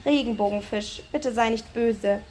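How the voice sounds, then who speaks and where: A woman's voice: on the high side, unhurried, a little mellow, a little hiss or hum, close to an everyday voice. A woman voicing a small, timid blue fish in a storybook, asking shyly. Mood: pleading.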